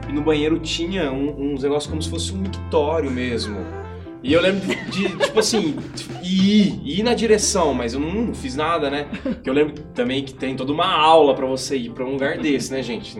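A man hosts a relaxed chat in a slightly raised voice. He drops in quick reactions and tells his own anecdotes. Music runs clearly behind him. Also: a little high. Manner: chatty, reacts with quick interjections. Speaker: host. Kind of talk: casual interview chat. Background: background music.

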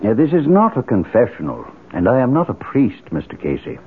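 An actor playing a suave, imperious society leader in a 1970s radio drama, speaking formally and pompously. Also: male voice, mid-range voice, huge pitch swings, breathy edge, heavily acted. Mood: lofty. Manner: formal, pompous, measured oratory. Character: imperious, suave male leader of secretive moral-crusade society. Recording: tinny 1970s radio broadcast.

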